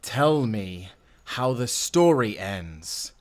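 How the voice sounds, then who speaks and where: Man acting a slow, silky fantasy villain. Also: mid-range voice, animated. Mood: cold, insistent. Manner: silky, theatrical, deliberate politeness turning commanding. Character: suave menacing male fantasy villain come to life. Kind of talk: audio roleplay acting.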